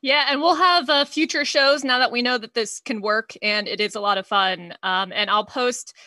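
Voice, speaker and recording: A woman's voice: on the high side, moderate pace, sharp tone, no echo, studio quality. A woman hosting a virtual comedy show over a video call, giggly and self-deprecating, with plenty of fillers. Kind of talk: casual comedy show banter.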